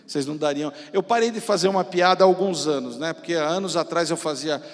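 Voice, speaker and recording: A man's voice: a little high, fast. A Brazilian man in his fifties with a São Paulo accent, giving an informal, theatrical motivational talk about his own story from a stage. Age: 50s. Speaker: entrepreneur speaking at a festival. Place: stage of a large event hall. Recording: reverberant hall with long echo.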